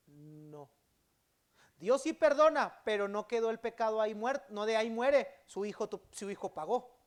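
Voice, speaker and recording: A male pastor preaching a sermon in a church, swinging between loud emphatic bursts and quiet, low endings. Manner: acts out quoted speech in dialogue.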